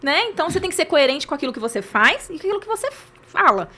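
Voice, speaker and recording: A woman joins a podcast as a guest. She talks quickly and in a lively way in a fairly high voice, often acting out what she says to her young daughter. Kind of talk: casual podcast conversation.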